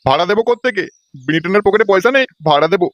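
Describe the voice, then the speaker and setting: A man's voice: sits high, expressive, racing, dry recording, dull audio. A man playing a stingy, scheming old father-in-law in a comedy cartoon, talking in a wheedling, folksy way. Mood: sly, wheedling. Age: older.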